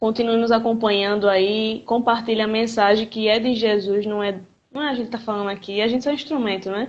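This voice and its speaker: With a Pernambuco accent, a woman with a fairly high pitch speaks at a fairly quick pace in a monotone, flat intonation. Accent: Pernambuco Brazilian Portuguese. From Brazil, Recife (Pernambuco). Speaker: spiritist live-stream host. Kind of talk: casual live-stream chat.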